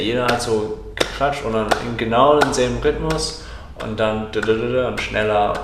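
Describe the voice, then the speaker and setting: A man speaks at a fairly slow pace over noticeable background noise, with audible echo in the room. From South Africa. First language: English (speaking German). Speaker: actor and improv theatre trainer. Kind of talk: interview. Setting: studio, livestreamed on Facebook. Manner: halting, searching for German words.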